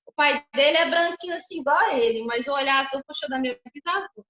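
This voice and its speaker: A woman's voice: high voice, quick pace, sharp tone. A woman teacher giving an online class by video call from home, often checking in with her students as she explains. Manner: ends phrases with checking tags. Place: home room. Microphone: computer on video call. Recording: echoey room, slightly dull sound.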